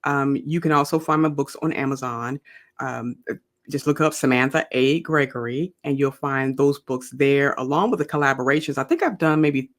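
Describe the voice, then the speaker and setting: A woman's voice: a bass voice, normal speed. A woman author speaking as a podcast guest in casual interview chat, conversational with frequent ums and restarts.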